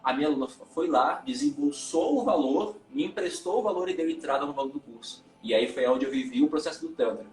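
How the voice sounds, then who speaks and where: A man, a tantra and yoga teacher, telling his personal story as a guest in a live interview, candid and halting, often repeating words. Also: a little high, lively intonation, echoey room.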